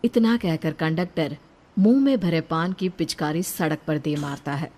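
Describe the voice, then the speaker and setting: A woman narrating a cartoon story in a brisk, blunt scripted manner. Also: low voice, darkish tone.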